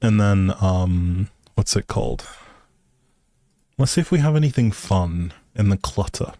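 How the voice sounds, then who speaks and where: A man's voice: deep voice, animated, unhurried, dark tone, no echo, clean studio sound. A man live streaming a game, chatting casually with viewers and thinking aloud in an easygoing, polite way. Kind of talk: casual livestream chat over gameplay.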